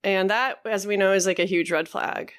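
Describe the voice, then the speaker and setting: Smooth-voiced woman, frank and halting. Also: mid-range voice, fairly even intonation. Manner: frank, halting, many fillers. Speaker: podcast co-host. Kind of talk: candid conversational podcast talk.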